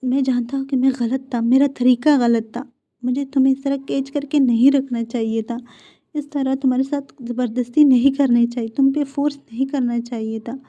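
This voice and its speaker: A woman voicing a remorseful male mafia boss who begs his lover for forgiveness, with halting repeated words. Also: sits high, steady tone, mellow. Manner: pleading, apologetic, halting repeats. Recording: dull lo-fi recording.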